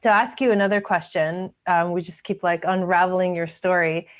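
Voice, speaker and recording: Woman host from Argentina, low voice, hesitant, restarts her sentences, video call. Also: steady tone, moderate pace. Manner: hesitant, with many restarts and fillers. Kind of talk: casual interview chat.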